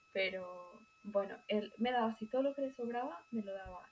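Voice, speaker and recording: Fairly high in pitch, this woman has an ordinary speaking voice. She speaks at a moderate pace with ordinary pitch variation. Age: 30s. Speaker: podcast co-host. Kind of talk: casual chat.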